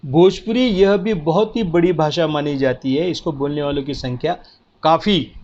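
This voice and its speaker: A man with a fairly high voice gives a lecture to his students. He explains patiently, repeats key words and keeps checking that they follow. The recording is dull and lo-fi. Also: normal speed, darkish tone. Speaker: teacher. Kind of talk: spoken lecture. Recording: dull lo-fi sound.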